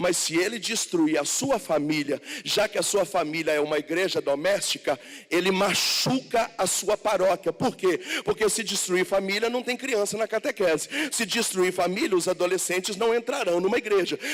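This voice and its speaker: Over noticeable background noise, a man speaks with a high pitch and an animated tone. His pace is moderate, his loudness very even, and his pitch variation ordinary. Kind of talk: sermon.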